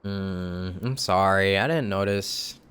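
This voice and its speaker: A man's voice: deep voice, slow pace, fairly bright tone, smooth. A young man giving casual, informal live commentary as he streams a game, reacting aloud.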